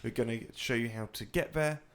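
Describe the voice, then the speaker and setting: Speaking briskly at a medium pitch, this young co-host of a flight-sim tutorial keeps the talk casual. His delivery is hesitant and rambling, packed with filler words and restarted thoughts.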